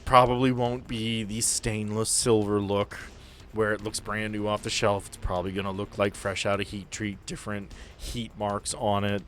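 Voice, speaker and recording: A man's voice: lowish voice, little pitch movement, moderate pace, a bit bright, slight background noise. A man narrating a tabletop roleplaying game as game master in a casual, joking way.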